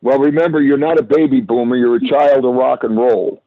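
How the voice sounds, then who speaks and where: A man in his late sixties chatting casually, halting and restarting often as he talks. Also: medium pitch, dry recording. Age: 60s. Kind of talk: casual chat. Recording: phone line.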